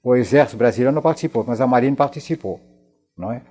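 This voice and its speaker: A man in his nineties from France, with a French accent, speaking Portuguese as a second language and recollecting haltingly as a veteran guest in a television interview, often repeating words and phrases. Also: mid-range voice, animated, warm tone. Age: 90s.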